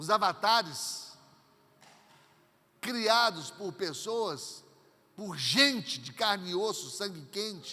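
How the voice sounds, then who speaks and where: Raising and projecting his high voice, a man speaks very slowly with lively intonation. His loudness swings widely, and long, frequent pauses break up his words. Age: 60s. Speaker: pastor. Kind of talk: sermon.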